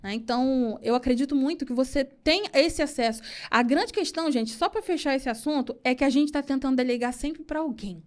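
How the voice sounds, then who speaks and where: Fast, high-pitched woman telling a story. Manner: animated storyteller acting out quoted dialogue. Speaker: podcast guest. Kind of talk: casual storytelling.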